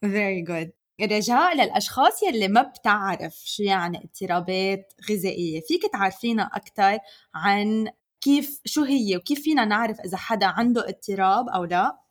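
A woman's voice: medium pitch, expressive, fairly quick. Lebanese woman hosting a podcast interview. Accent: Lebanese Arabic. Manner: mixes English words into Arabic. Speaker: interview host. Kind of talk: podcast interviewing with scripted intro and casual chat.

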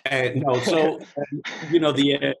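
A man's voice: medium pitch, steady tone, measured pace, vocal fry, slight background noise. A man from Spain with a Spanish accent, an executive answering interview questions thoughtfully, often restarting with fillers. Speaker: company executive.

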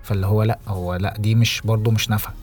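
A young Egyptian man co-hosting a podcast, talking reflectively with halting restarts and English phrases mixed in. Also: fairly low pitch, steady tone, a little mellow, faint music behind. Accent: Egyptian Arabic. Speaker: podcast co-host. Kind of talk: casual podcast conversation.

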